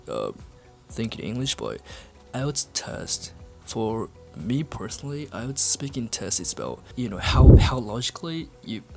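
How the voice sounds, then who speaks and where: A young man who speaks English with a Japanese accent, Japanese being his first language, talking casually to camera in a halting way with many fillers. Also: lowish voice, vocal fry. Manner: halting, filler-heavy, asks "right?" often. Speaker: English-learning YouTuber. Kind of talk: casual vlog talk to camera.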